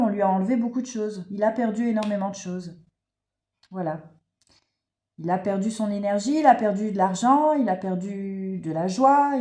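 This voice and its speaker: A woman's voice: mid-range voice, dark tone, echoey room. A woman with a cold and sore throat giving a casual oracle card reading, speaking straight to her viewers with many fillers. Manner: chatty, many fillers, addresses viewers directly. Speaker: spiritual card reader.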